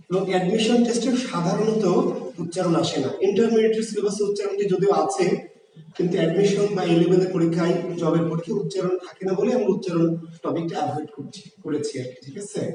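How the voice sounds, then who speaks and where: A man's voice: high voice, dark tone. A man teaching a grammar lecture online, explaining patiently and repeating key words for his students. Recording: roomy echo with long reverb, voice far from the mic.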